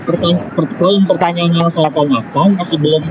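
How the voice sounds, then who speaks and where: A man calling into a live online discussion, asking a question haltingly while his microphone clips and breaks up into distortion. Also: on the high side, steady tone, highs cut off, over a noisy crowd. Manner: hesitant, halting questioner with restarts. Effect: clipping, crackling distorted mic. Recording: noisy distorted online call audio.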